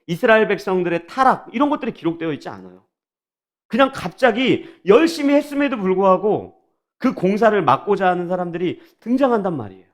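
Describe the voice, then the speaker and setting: A man preaching a sermon as pastor, reading scripture and giving lively, colloquial paraphrases with a mocking edge. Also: high-pitched.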